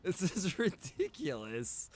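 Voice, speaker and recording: A man's voice: high-pitched, huge pitch swings, takes it slowly, darkish tone, no room sound. A man giving casual, rambling livestream commentary while gaming, repeating phrases for emphasis. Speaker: game streamer and roleplay server co-owner.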